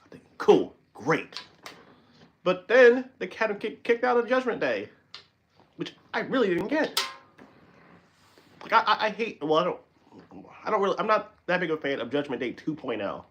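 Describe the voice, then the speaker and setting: A man hosting a live stream in casual chat, animated and rambling, often correcting himself and laughing. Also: high-pitched, normal speed, pauses often, slight background noise.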